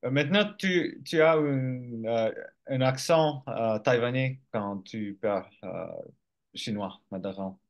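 A young man interviews a guest on a video call, speaking through a headset. He asks questions in a halting way, with short pauses and fillers. The call audio sounds a little dull and muffled. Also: medium pitch. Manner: brief backchannels and halting questions. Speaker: podcast host.

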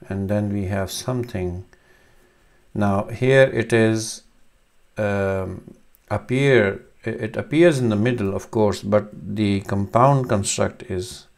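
A man in his thirties whose first language is Urdu, teaching a reading lesson with slow, halting explanations and many fillers. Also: on the low side, gravelly, darkish tone. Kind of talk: screen-recorded reading lesson.

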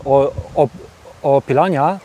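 A man hosting a casual interview outdoors in a farm field, talking in a halting way with many filler sounds. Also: medium pitch, dark tone, highs cut off. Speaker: host.

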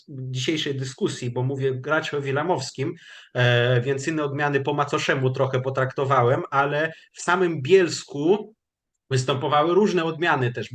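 A man giving a lecture, answering questions after a webinar in a measured, explanatory way with hesitant fillers over a video call. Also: mid-range voice, fairly bright tone.

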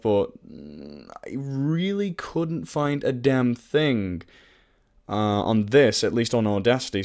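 A man presenting a casual software tutorial in an informal, self-deprecating, sweary way. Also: mid-range voice.

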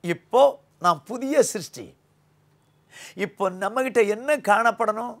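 Older tamil pastor, very high voice, preaching into a lapel mic, goes loud then drops quiet. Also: male voice, lively intonation, measured pace. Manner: preaching, swings between loud high emphasis and low quiet lines. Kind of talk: sermon. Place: small studio set, indoors.

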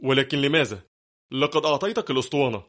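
A man reading a tense, wary man under threat in an audiobook, lifting his voice higher and sounding strained and irritated. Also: fast, fairly bright tone, close to an everyday voice. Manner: nervous and strained, sometimes mocking.

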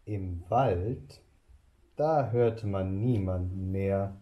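A male kindergarten teacher reading a picture book aloud to children, slow and deliberate. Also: low voice, lo-fi sound. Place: kindergarten room. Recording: roomy echo.

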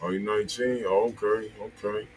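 A man's voice: on the low side, steady tone, moderate pace, a little mellow, a little hiss or hum, low-quality recording. An American man chatting casually and in slang as host of a music review livestream, often repeating himself.

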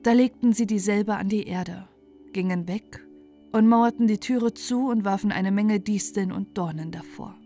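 A woman's voice: mid-range voice, normal speed, warm tone. A woman narrating a scripted bedtime fairy tale as a storyteller. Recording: music bed under the voice.

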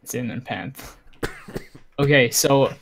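Regular-pitched guy chatting casually on a gaming podcast, laid back. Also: very slow, a bit bright. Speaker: podcast co-host.

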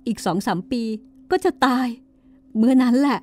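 A woman voicing a weary aging wife who pleads through tears, speaking higher than her narration, over soft meditative music. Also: normal speed, a little hiss or hum, lightly acted. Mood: tearful, pleading. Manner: tearful, pleading. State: crying. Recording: music bed with singing bowl.

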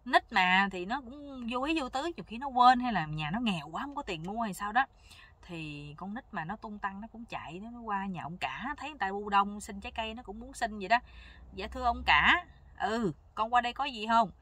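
A woman telling a comic folk tale in a casual, lively way, acting out the characters' lines. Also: mid-range voice, brisk. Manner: lively, playful, acts out every character's lines. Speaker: storyteller. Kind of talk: casual spoken folk joke storytelling.

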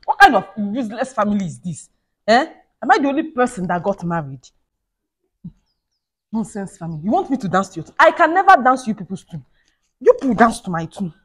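A woman's voice: mid-range voice, very animated, fairly quick, slightly rough. A woman playing a fiery young wife who rants and scolds, repeating herself. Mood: sulking. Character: fiery young wife feuding with her mother-in-law. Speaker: skit actor. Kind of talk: comedy skit acting.

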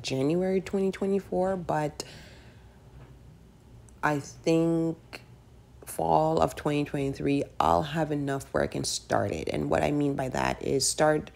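A woman's voice: low-pitched, creaky, a little mellow. A woman in her thirties chatting casually and candidly in a voice-over, with fillers like "like" and "right". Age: 30s. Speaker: personal finance vlogger. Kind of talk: casual voice-over over screen recording.

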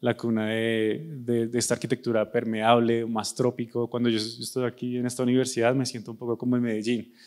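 A young man from Bogotá, an architect with a Bogotá Colombian Spanish accent, talks to university students directly from a large, dark auditorium stage, holding a handheld microphone. Though the talk is conversational, his medium-pitched, darkish voice is completely flat, fairly quick, with few pauses.

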